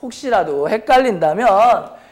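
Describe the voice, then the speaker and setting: Teaching high school chemistry, this male teacher has a strikingly high voice, strained as if from a sore throat, yet a little mellow, slightly slow, and lively in intonation. He keeps things blunt and casual, guiding the lesson through constant questions to the class.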